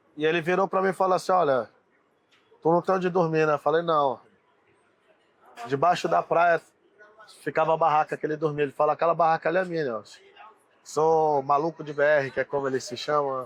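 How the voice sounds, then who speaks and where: A man with a Pará accent, fairly high in pitch, at a fairly quick pace with fairly even intonation and long, frequent pauses. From Brazil, Pará (Oriximiná). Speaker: football director, former player. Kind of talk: casual storytelling interview.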